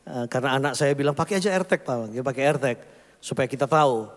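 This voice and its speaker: A man's voice: medium pitch, fast talker. A middle-aged male pastor, telling stories animatedly in a sermon. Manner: animated storytelling, often calling the congregation "saudara". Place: church hall. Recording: long hall reverb.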